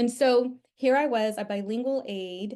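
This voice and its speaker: With a Californian accent and ordinary pitch variation, a woman speaks in a dark, mellow tone against a quiet background. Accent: Californian American English. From California Central Valley. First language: Spanish. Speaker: math education leader. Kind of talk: webinar presentation.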